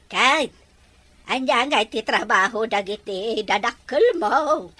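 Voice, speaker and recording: A woman playing a kindly, easygoing old grandmother in an audio drama, with a drawn-out, expressive delivery. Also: a little high, exaggerated voice. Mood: warm, curious.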